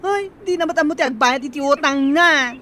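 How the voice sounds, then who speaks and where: Someone playing a bright sharp-voiced gay guy chasing a debt, loud and indignant, radio drama. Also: high voice, a little fast. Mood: angry. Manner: loud, indignant, shouting threats. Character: flamboyant gay man chasing an unpaid debt.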